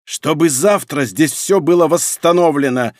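A man putting on a commanding old emperor, pitched a little high and loud, barking his words. His temper is short and his tone imperious. The sound is dry and close. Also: expressive, moderate pace, no echo, natural voice. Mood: furious. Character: stern imperious aging male emperor, quick-tempered.

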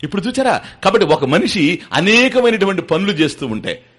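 Man giving a spiritual talk, lively up-and-down voice, bright tone, keeps tossing out questions. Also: sits high, a little fast, breathy edge. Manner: animated, rhetorical questions, chants Sanskrit verses. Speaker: spiritual teacher giving discourse. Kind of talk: sermon on scripture.

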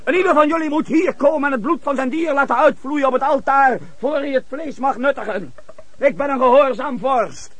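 A man's voice: very high voice, brisk, fairly bright tone, dry recording. A man playing a stern, commanding biblical king in a radio play, imperious and declamatory.

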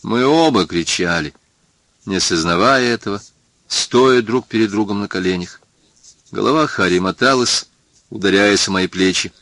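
A man reading a novel aloud as an audiobook narrator, telling the story in a measured, even way. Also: on the low side, no room sound.

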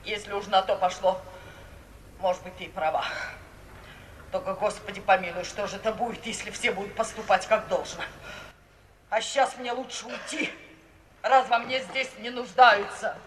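A woman's voice: mid-range voice, fairly even intonation, normal speed, long pauses, lightly acted. An actress playing a bitter, self-pitying, vengeful middle-aged mother in a melodramatic 1950s radio play style. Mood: subdued, resigned. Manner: melodramatic, wailing, declamatory. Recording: roomy, distant 1950s radio recording, faint hiss.

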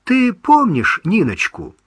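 A man's voice: slow, husky, no room sound, full character voice. A man voicing an older woman in her sixties, a fussy, loving mother talking with her son on the phone. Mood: doting, anxious. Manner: high, lively, doting and teasing.

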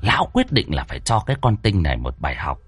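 A man narrating a ghost story in a lively, dramatic, colloquial way, with a husky voice. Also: low-pitched, fast, faint music behind.

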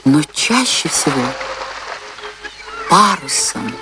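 Passionate dreamy dancer woman in a radio drama, lowish voice, really slow poetic storytelling, music behind. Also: expressive. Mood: dreamy, wistful. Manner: dramatic, poetic, deliberate delivery with long pauses. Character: Isadora Duncan-like dancer, dreamy, proud, passionate woman recalling life. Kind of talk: theatrical radio-play monologue.

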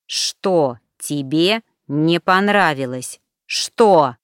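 A woman reader voicing a tired, bewildered young man who keeps calmly pressing for answers. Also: very slow, clear, resonant tone, no room sound, clean studio sound, exaggerated voice. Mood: weary. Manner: tired, low-key, insistent questioning. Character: weary bewildered young man, trying to stay calm.

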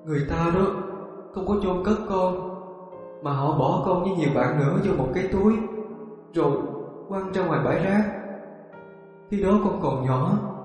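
A man voicing a sad little ghost boy who pleads softly and haltingly, close to tears. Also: a little high, voice pushed up, close to an everyday voice. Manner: soft, tearful and halting. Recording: echoey with long reverb.

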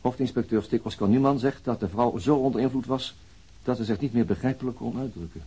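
Actor as very raspy, dark-voiced official. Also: male voice, medium pitch, quick pace, close to an everyday voice. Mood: dry, official. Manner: formal, matter-of-fact. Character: dry official reading out case notes. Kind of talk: formal scripted reading in radio drama.

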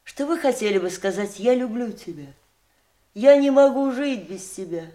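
An actress playing a worldly, twice-widowed middle-aged woman in a theatrical Russian audio drama, speaking with emphatic, deliberate eloquence. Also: on the high side, lively intonation, dark tone, lightly acted. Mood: impassioned reproach.

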